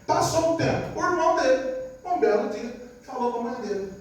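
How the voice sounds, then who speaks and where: Male preacher, very high voice, folksy storytelling sermon that checks in with the flock. Distant, heavily reverberant church recording. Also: animated, fairly quick. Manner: conversational, often asks the congregation for agreement; acts out quoted family voices. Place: church service. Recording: echoey church, distant mic, faint noise.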